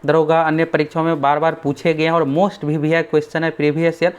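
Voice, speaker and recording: A young man with a slightly high voice briefs exam candidates as their coaching teacher. He talks straight to the students, keeps telling them to look at each point, and pushes his course. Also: level tone, fast talker, clean tone, dull audio. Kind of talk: explainer video on exam updates.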